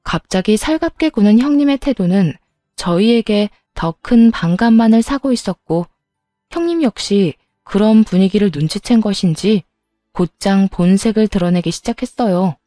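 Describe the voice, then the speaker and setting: A woman narrating a family story as the younger daughter-in-law, recounting it calmly. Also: medium pitch, moderate pace, no echo, studio quality, soft background music.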